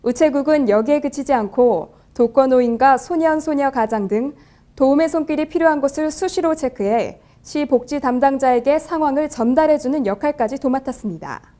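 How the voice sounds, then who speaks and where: A woman's voice: high voice, normal speed, dark tone. A woman news anchor introducing stories in a polished, formal way.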